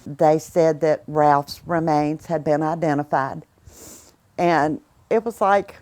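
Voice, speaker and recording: Older female interviewee, low register, unhurried pace, informal account. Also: darkish tone.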